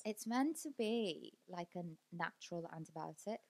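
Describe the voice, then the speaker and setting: A woman's voice: fairly low pitch, expressive, normal speed, vocal fry, darkish tone. A woman in her thirties co-hosting a casual podcast, upbeat and teasing. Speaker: podcast co-host. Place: small cosy studio room, indoors. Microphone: studio mic on boom arm.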